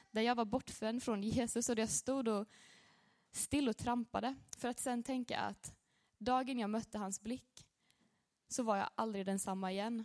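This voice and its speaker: A woman with a fairly high pitch and fairly even intonation, at a moderate pace with long, frequent pauses. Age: 20s. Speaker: church speaker giving testimony. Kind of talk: testimony. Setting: church service.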